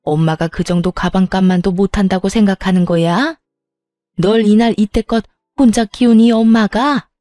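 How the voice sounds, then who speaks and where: A woman's voice: medium pitch, steady tone, moderate pace, dark tone, no room sound, clean studio sound, soft background music, natural voice. A woman voicing a brazen, self-pitying older mother-in-law who stammers and talks back in an indignant tone, in a scripted story. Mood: wounded.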